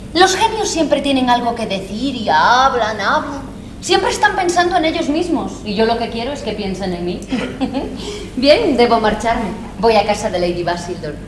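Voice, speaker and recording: A woman keeps a moderate pace despite noticeable background noise. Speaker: stage actress playing a society lady. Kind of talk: theatrical dialogue. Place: stage. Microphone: camera far.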